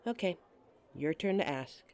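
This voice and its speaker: A woman's voice: on the low side, lively intonation, measured pace, gravelly, a little mellow. A woman performing a scripted roleplay monologue to a listener, playful and giggly, with a teasing manner.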